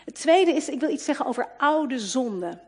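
Woman, fairly high voice, earnest, emphatic, devotional talk. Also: expressive, normal speed, a little mellow, slightly rough. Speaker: Christian speaker. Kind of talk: devotional talk reading from a book.

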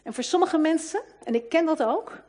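A woman's voice: high voice, expressive, moderate pace, a little mellow. A woman giving an earnest, emphatic devotional talk and reading from a Christian book. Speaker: Christian speaker.

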